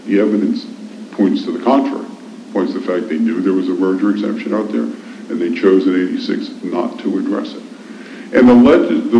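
An American man arguing as a lawyer in court, insistent and repeating his points for emphasis. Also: lowish voice. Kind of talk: courtroom oral argument. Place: indoor courtroom. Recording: echoey, muffled courtroom recording, faint noise.

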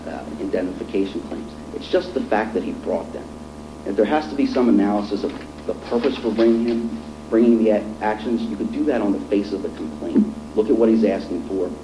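Guy lawyer making his court argument, low voice, roomy echo. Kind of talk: formal appellate oral argument. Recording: echoey courtroom with clear noise and hum.

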